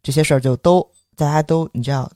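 A young man with a Beijing accent, telling an indignant story on a podcast in lively casual chat and acting out the voices of the people involved. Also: fairly high pitch, fast talker. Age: young adult. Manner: animated, indignant, acts out quoted voices. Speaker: podcast co-host.

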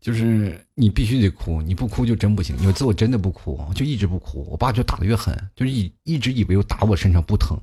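A man's voice: lowish voice, lively intonation, fast talker, hardly any pauses, warm tone, a little hiss or hum. A man telling funny stories in a chatty comic monologue as a talk show host, often laughing at his own jokes.

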